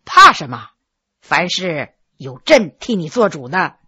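A woman's voice: on the low side, big pitch swings, unhurried, pushed and bright, husky, pitched below the performer's own voice, exaggerated voice. A woman voicing a commanding, doting middle-aged emperor who speaks indulgently and soothingly, in a slightly muffled recording. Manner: indulgent, soothing, then overjoyed.

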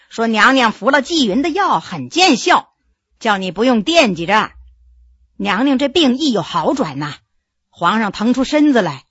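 A woman's voice: on the high side, a bit bright, husky, no room sound, highs cut off, full character voice. A woman voicing a coquettish young noble wife who teases and chides her husband in a storybook reading. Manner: coquettish, scolding, chatty.

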